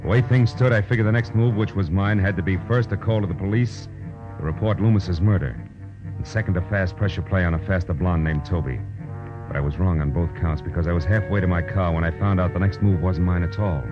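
A low-pitched American private eye played by a male actor talks and narrates in hard-boiled, clipped slang. He is tough and quick with a wisecrack, in the manner of 1940s radio drama. The recording is muffled and old, with music behind him. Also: steady tone, close to an everyday voice. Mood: wry narration.

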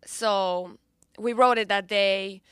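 A woman's voice: mid-range voice, fairly even intonation, slow, fairly bright tone, clear, resonant tone, no room sound, clean studio sound. A young woman singer-songwriter whose first language is Romanian, chatting casually in an interview, bubbly and full of fillers. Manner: bubbly, filler-heavy, laughs easily.

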